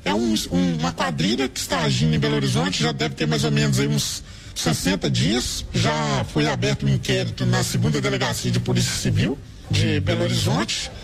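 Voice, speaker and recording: Anonymous man, voice changer distortion, gravelly, wildly swinging pitch. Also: huge pitch swings, brisk. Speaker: business owner interviewed. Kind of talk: anonymous news interview. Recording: radio news broadcast.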